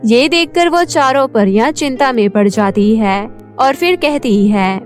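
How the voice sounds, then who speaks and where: A woman's voice: on the high side, lively intonation, measured pace, soft background music. A woman reading scripted narration for a children's cartoon story.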